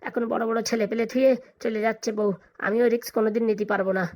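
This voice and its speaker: A woman's voice: on the high side, fairly even intonation, racing, darkish tone, natural voice. A woman voicing a nervous, balding young bridegroom in a comic cartoon, hesitant and deferential. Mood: nervous, pleading.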